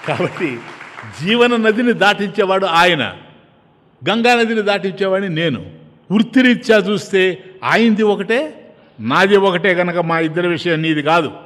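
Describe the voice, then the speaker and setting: A man's voice: high voice, measured pace, pauses often, fairly bright tone, a faint crowd, pitched above the performer's own voice. A man playing a devoted boatman who earnestly explains his work, in a hall with long reverb. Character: humble devoted boatman, proud of his trade.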